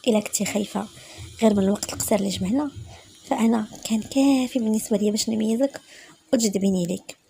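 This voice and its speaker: Moroccan woman doing a confident man, persuasive, half-whispered, husky, dry close sound. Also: mid-range voice, very fast, mellow, no room sound.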